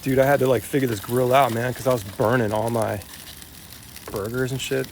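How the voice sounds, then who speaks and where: A man's voice: medium pitch, steady tone, a little fast, a little hiss or hum. Laid-back man chatting while grilling. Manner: rambling, laid-back, swears, clears throat often; talks while eating. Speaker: musician livestreaming to fans. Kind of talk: casual live-stream chat. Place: at home grill, cooking dinner. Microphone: phone live stream. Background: sizzling food on the grill.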